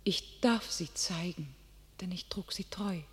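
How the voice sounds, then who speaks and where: An actress playing a pious, fervent young captive warrior maiden in a classic radio play, declaiming solemnly. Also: female voice, lowish voice, a little slow, in a large hall, close to an everyday voice. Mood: frail, rapt.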